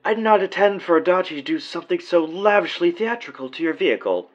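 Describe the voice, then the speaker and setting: A man's voice: high voice, expressive, fast, highs cut off. A man playing a suave psychopathic villain in an audio drama, courteous and mock-polite, with a faint German accent. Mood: gloating, playful. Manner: courtly, mock-polite, teasing tag questions. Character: suave, theatrical psychopathic villain, serenely pleasant kidnapper.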